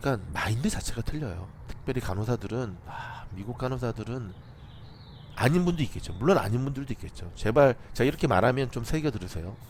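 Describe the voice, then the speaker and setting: A man speaks with an unremarkable speaking voice at a medium pitch. His pace is fairly quick and his intonation lively. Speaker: team leader presenting a shared testimonial. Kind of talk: reading a testimonial aloud with personal commentary.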